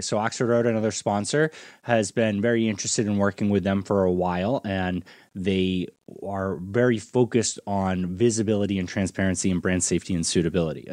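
Male podcast host, slightly deep voice, enthusiastic conversational delivery, very dry sound. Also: a little mellow, dry recording.

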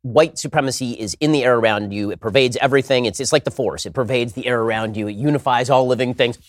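A man on a studio panel making a fast, emphatic argument, with frequent rhetorical "right?" checks. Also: medium pitch, dry recording. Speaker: roundtable panelist. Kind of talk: rapid argumentative commentary.

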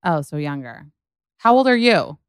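Woman podcast host, chatty and gushing, smooth, lowish voice, dry close mic. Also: big pitch swings, normal speed, no room sound. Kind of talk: casual podcast chat.

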